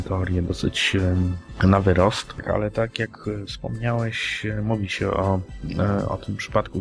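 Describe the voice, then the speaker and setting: Low-voiced man hosting over music. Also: vocal fry. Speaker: podcast host. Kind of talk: podcast talk on paranormal news. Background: music playing under the voice.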